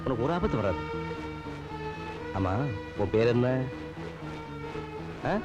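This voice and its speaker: An actor playing a male doctor who gently coaxes and reassures a frightened patient. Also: mid-range voice, big pitch swings, slow, muffled recording, over music. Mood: coaxing. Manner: coaxing, reassuring.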